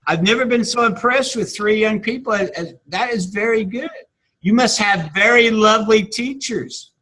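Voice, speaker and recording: A man, a teacher chatting casually and haltingly with many restarts and fillers. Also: high voice, bright, forceful tone. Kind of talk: casual video-call chat.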